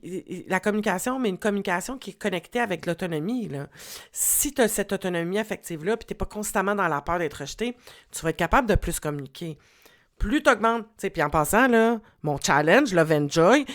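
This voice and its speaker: A woman's voice: mid-range voice, a bit bright. A woman with a Québécois French accent, a relationship coach giving casual, encouraging commentary full of fillers. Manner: chatty, encouraging, many fillers.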